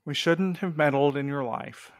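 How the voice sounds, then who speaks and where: A man's voice: fairly high pitch, normal speed, dry recording, close to an everyday voice. A man plays a courier in an audio drama, frank and a bit defensive. His delivery is conversational and the sound is close, with no room at all. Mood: pointed. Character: frank, casual male courier, a little defensive. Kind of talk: scripted audio drama acting.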